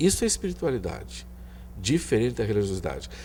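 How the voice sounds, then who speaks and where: A man with a dark, mellow tone speaks at a moderate pace in a fairly low pitch, with vocal fry and very wide pitch swings. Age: 60s. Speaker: psychologist. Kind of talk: TV interview.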